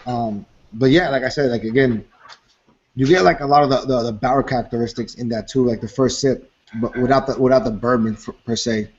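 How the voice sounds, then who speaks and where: A man's voice: mid-range voice, brisk, darkish tone, dull audio. A man describing a beer on a video call, rambling with many fillers. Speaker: co-host. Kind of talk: casual beer tasting chat.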